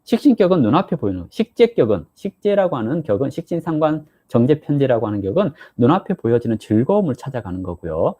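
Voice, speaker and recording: Husky man teaching with lively pitch. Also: fast, few pauses. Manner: explanatory, acts out couples' quarrels in quoted voices. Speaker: saju fortune-telling teacher. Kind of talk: live-stream lesson.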